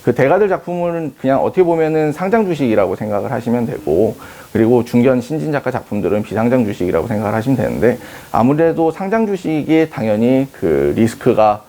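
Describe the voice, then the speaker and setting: A man in his thirties, a company head, answering interview questions in a measured, explaining way with frequent hesitation fillers. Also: medium pitch, sing-song, warm tone. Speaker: company CEO interviewed on art investment.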